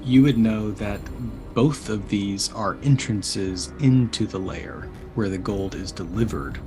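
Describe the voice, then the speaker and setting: Man, game master, low voice, narrating scenes, calling dice checks, music underneath. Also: slow pace. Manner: descriptive, calls for dice checks.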